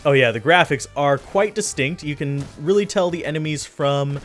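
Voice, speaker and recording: A man's voice: on the high side, moderate pace. Chatty self-deprecating man commentating gameplay. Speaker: let's play commentator. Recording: faint game music behind.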